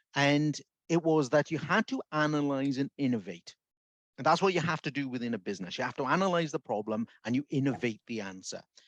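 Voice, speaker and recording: With a Welsh accent, a man speaks at a fairly quick pace and fairly high pitch, with an animated tone and lively intonation, in a dry, close sound with no echo over a quiet background. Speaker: salon business coach. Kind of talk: podcast interview.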